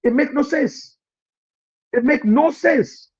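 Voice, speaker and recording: A man's voice: very high voice, slow pace, dull audio. A Liberian man with a Liberian accent gives impassioned political commentary on a live radio and TV stream. He scolds the listeners and repeats his points for emphasis.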